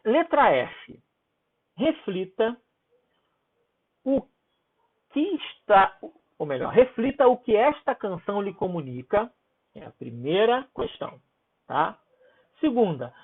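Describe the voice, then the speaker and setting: A male teacher walks his pupils through a worksheet, relaxed and chatty, often pausing to check they are following. His voice moves up and down a great deal as he talks. The sound is thin and narrow, like a phone line. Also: sits high. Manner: informal, checks in with "né?" and "tá?". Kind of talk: recorded homework walkthrough for pupils. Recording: tinny phone-like audio.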